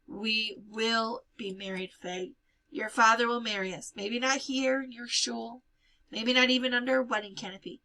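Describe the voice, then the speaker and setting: A woman's voice: fairly high pitch, fairly even intonation, moderate pace, sharp tone, low-quality recording. Woman playing a grave, steadfast young bridegroom. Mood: tender, adamant.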